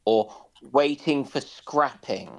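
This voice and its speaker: A man in casual discussion on a naval history stream, speaking haltingly with dry humour. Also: medium pitch, poor audio. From United Kingdom.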